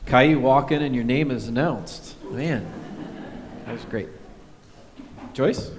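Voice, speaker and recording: A man's voice: mid-range voice, slow. A man at the front of a church, running through announcements in an easygoing voice and throwing in dry little jokes. His voice sits in a middle range. It carries with a long reverb across the sanctuary over a faint hum of noise. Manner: relaxed, joking asides. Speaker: pastor.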